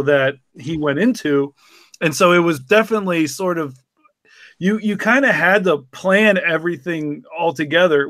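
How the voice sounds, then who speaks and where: A man's voice: a little high, fairly bright tone, no echo. A man co-hosting a podcast, chatting casually and explaining things in an informal way. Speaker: podcast co-host and show writer. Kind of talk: casual behind-the-scenes chat.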